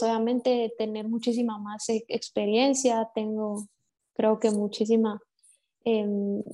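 A young woman footballer from Guatemala with a Guatemalan accent, giving measured, reflective interview answers with frequent restarts. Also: a little high, dark tone. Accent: Guatemalan Spanish. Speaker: professional footballer, interview guest.

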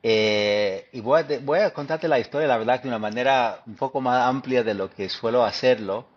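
A man from Detroit with an American English accent, a guest speaking Spanish as a second language, pausing and restarting often as he recounts. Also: medium pitch, highs cut off. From Detroit, United States. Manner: thoughtful, halting, many fillers and restarts. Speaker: guest historian. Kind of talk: interview conversation.

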